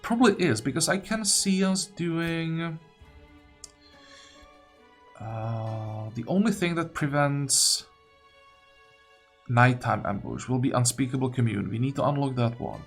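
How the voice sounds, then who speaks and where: A man's voice: medium pitch, lively intonation, unhurried, long pauses, soft background music. A man giving unscripted game commentary, thinking aloud in a musing, hesitant way as if talking to himself. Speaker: gaming video host.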